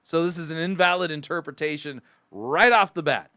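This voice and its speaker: A man's voice: on the high side, a little fast, sharp tone, no echo, studio quality. A middle-aged man giving mocking, sarcastic commentary as a critic, often acting out mock quotes. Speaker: host of a sermon critique show. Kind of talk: mocking commentary on played sermon clips.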